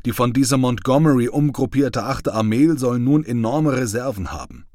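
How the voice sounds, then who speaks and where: A man's voice: mid-range voice, lively intonation, normal speed, darkish tone, no echo, clean studio sound, pitched above the performer's own voice, natural voice. A man reading the part of a friendly, talkative young male soldier. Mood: chatty. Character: chatty young male soldier, lance corporal.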